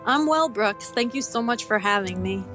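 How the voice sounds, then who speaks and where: A woman's voice: on the high side, lively intonation, normal speed, over music. An American woman chatting as an interview guest, earnest and informal, with a rambling delivery. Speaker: interview guest, horror author. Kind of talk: casual conversational interview.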